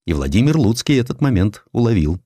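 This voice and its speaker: A man reading historical prose as an audiobook narrator, in an expressive storytelling manner with a dramatized touch. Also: fairly low pitch, fairly quick, breathy edge, dry recording, studio quality. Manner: expressive storytelling, acting out quoted lines.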